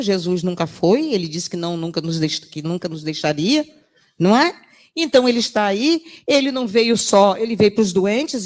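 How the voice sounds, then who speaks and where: A woman's voice: medium pitch, a little mellow. An older woman giving a spiritist lecture, emphatic and full of rhetorical questions, telling stories with acted quotes. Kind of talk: sermon-like lecture.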